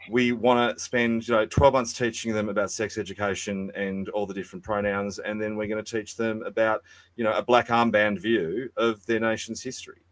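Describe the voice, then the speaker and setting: An Australian man arguing forcefully and sardonically in a podcast debate, often repeating words as he goes. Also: on the low side, dry recording, poor audio. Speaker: debate guest.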